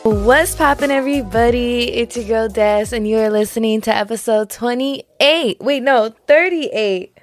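A young woman hosting her podcast in a casual, slangy chat, her voice raspy today. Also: a little high, a little slow, faint music behind. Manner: chatty, slangy, lots of fillers. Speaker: podcast host.

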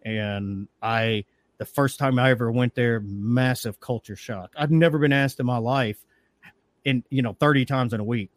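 A man's voice: medium pitch, moderate pace, dry recording. A Southern man in his forties from Tennessee, hosting a casual chat and laughing as he tells stories. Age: 40s. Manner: laughing, animated storytelling. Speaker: podcast host.

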